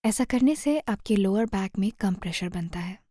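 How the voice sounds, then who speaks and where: A woman narrating a guided meditation in a soothing, gentle manner, often trailing off into a near-whisper. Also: medium pitch, moderate pace, no echo, clean studio sound.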